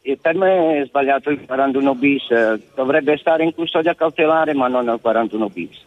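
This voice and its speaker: A man's voice: mid-range voice, moderate pace. A man from Bari calling in to a radio phone-in show over the phone, giving a plain-spoken opinion with fillers. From Bari, Italy. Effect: caller heard over a phone line. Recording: tinny dry phone line.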